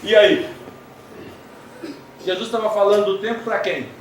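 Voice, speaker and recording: High-voiced Brazilian man lecturing in an echoey hall. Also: measured pace. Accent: Brazilian Portuguese. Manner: conversational, asks the audience questions; tells anecdotes with humor. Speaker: spiritist lecturer. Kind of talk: lecture to an audience. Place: spiritist center hall. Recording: echoey hall, distant mic, faint noise.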